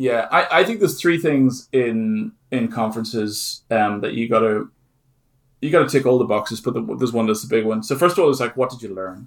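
A man with a Dublin accent, a fairly quick pace, ordinary pitch variation and big swings in loudness, on a very clean recording with a silent background. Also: medium pitch for a man. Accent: Irish (Dublin). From Ireland, Dublin. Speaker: tech conference founder. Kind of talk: interview conversation.

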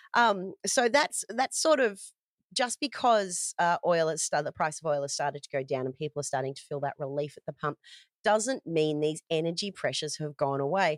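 On a very clean recording with a silent background and a dry, close sound without echo, a woman with an Australian accent speaks at a moderate pace with a fairly low pitch, lively intonation and big swings in loudness. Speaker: podcast host, finance writer. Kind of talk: solo finance podcast monologue. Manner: hesitant, filler-heavy.

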